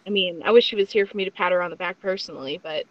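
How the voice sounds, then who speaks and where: A woman's voice: lowish voice, very fast, no room sound, lo-fi sound. A woman guest hosting a podcast, chatting casually in a gushing, rambling, informal way. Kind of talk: casual excited podcast chat.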